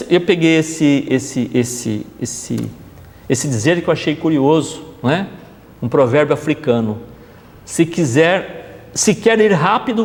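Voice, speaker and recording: A man's voice: fairly high pitch, long reverb tail. A man gives a conversational gospel study talk, often checking in with his audience. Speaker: spiritist lecturer. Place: spiritist center hall.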